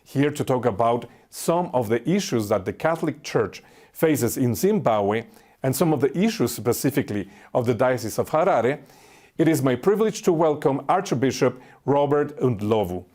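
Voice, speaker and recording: A man's voice: mid-range voice, animated, normal speed, darkish tone. A male program host who reads a scripted introduction and then asks questions, often stumbling and repeating words. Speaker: interview host.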